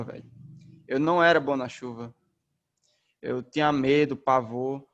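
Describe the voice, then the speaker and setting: A young man from northeastern Brazil, a racing driver, answering interview questions in a relaxed, slangy way with many fillers. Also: mid-range voice. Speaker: race car driver, interview guest.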